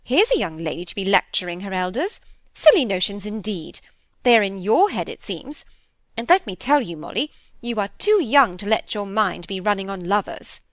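A woman's voice: medium pitch, very animated, moderate pace, dry recording, lightly acted. A woman voicing a bossy, gossiping elderly spinster who talks in an emphatic, scolding way.

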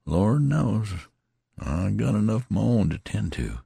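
Man voicing a rambling wounded soldier, slurred country drawl, husky and gravelly, pitch swooping wide. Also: very animated, a little slow, warm tone, no room sound, full character voice. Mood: hurt. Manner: pleading, repetitive, plaintive. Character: wounded, rambling, folksy male soldier, dazed.

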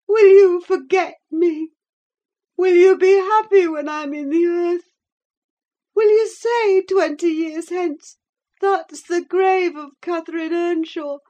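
A woman voicing a feverish, dying young woman who is bitter and vindictive, speaking in shrill anguished accusations. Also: mellow, muffled recording.

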